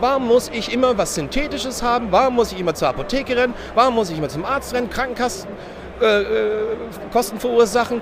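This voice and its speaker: The speech moves at a very fast pace with ordinary pitch variation. The tone is animated, and there is noticeable background noise. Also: man. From Franconia, Bavaria (Pottenstein). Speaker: trade fair exhibitor. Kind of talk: street interview. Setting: trade fair floor.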